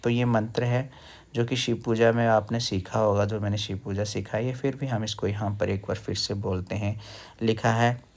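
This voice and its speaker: A man teaching wedding mantras, reciting slowly and breaking words into syllables for the listener to repeat. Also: on the low side, steady tone, darkish tone. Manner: slow, careful recitation with syllable-by-syllable drilling. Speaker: Sanskrit teacher.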